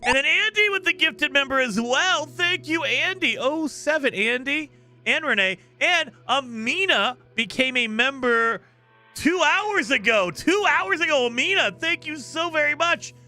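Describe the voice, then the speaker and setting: Faint music sits under a man's very high, sharp voice as he delivers animated, slightly slow gameplay commentary on a live stream. Chatty and upbeat, he thanks viewers by name and walks through the rules, though days of streaming have left him a little scratchy.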